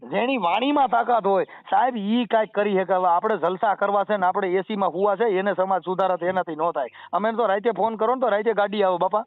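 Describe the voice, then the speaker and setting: A man with a Gujarati accent and a high-pitched voice lectures at a rapid clip over a thin phone line. He argues insistently and preachily, repeating his points and leaning on sayings. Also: dry recording. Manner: forceful lecturing, repeats phrases and talks over the other man. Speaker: social activist on a phone call. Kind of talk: heated, preachy phone argument with folk sayings and verse. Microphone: telephone line. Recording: tinny, narrow-band phone call recording.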